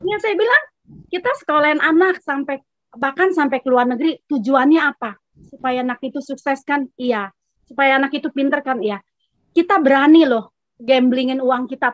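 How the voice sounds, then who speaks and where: High-pitched woman telling a church testimony, chatty, slightly muffled dry sound. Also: fairly quick, dry recording. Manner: chatty, acts out both sides of a dialogue. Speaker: congregation member giving a testimony. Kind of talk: casual storytelling testimony.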